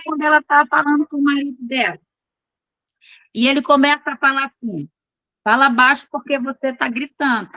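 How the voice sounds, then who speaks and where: Bright, high-voiced woman teaching. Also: no echo, muffled recording. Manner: chatty and informal, with frequent checks on the students. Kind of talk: online class lecture.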